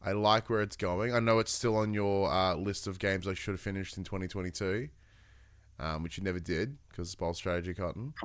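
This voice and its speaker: A man's voice: sits low, fairly quick, fairly bright tone, clear, resonant tone, no echo. A man co-hosting a casual gaming podcast, talking in a rambling, upbeat way with many fillers and restarts. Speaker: podcast co-host.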